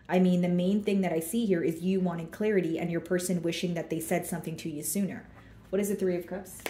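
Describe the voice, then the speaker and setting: A woman giving a casual tarot reading, chatty and relaxed, talking through the cards as she draws them. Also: on the low side, echoey room. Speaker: tarot reader.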